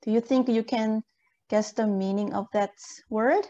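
A woman's voice: a little high, steady tone, a little slow, warm tone, muffled recording. A woman lecturer giving an interactive online lesson in an encouraging way, checking understanding with questions. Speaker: university lecturer. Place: indoor video call.

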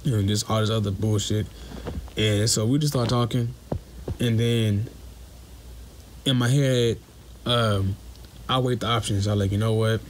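Low-voiced young man telling a blunt story. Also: fairly even intonation, moderate pace, pauses often, slight background noise. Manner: blunt and profane, acts out quoted dialogue. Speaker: listener sending a voice message. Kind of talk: casual storytelling.

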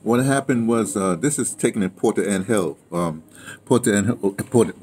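A man's voice: lowish voice, lively intonation, moderate pace, a little mellow. A man in his seventies reminiscing in casual conversation, repeating phrases as he tells his stories. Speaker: interviewee, audio drama veteran. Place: outdoors, patio or yard of a building. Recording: clearly noisy outdoor ambience.

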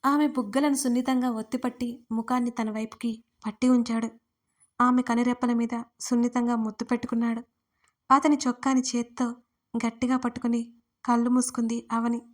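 Woman narrator, audio romance story, steady storytelling, higher pitch, flat melody. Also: a little fast. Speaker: writer and narrator.

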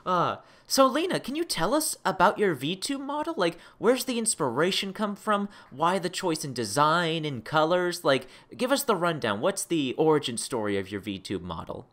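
A woman's voice: on the low side, big pitch swings, normal speed, few pauses. A woman hosting a casual interview in an effusive, playfully dramatic way. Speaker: interview host.

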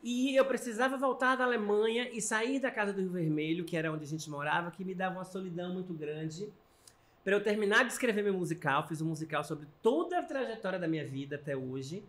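A man's voice: high voice, fast talker. A man hosting a podcast in casual chat, telling stories with theatrical flair. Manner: animated storyteller, theatrical. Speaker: podcast host.

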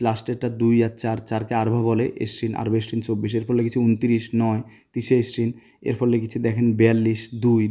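A man's voice: medium pitch, warm tone. A man teaching an Arabic lesson in a casual video, explaining step by step, asking questions and answering them himself, with English phrases mixed in. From Bangladesh.

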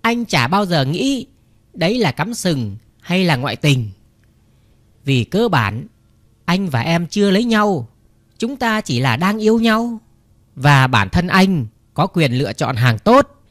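A man's voice: fairly high pitch, very animated, slow pace, fairly bright tone, no echo, exaggerated voice. A man reading the part of a cocky young boyfriend who talks down to his girlfriend in a condescending way. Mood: smug.

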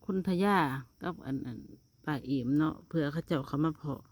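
A woman's voice: low-pitched, fairly quick, darkish tone. A woman with an Isan Thai accent chatting casually to viewers in a vlog, filmed outdoors in a rural yard on a phone. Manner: chatty, addresses viewers as "brothers and sisters". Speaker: vlogger.

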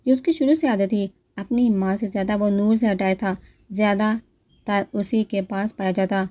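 A woman narrating a romance novel aloud in a steady storytelling manner. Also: mid-range voice.

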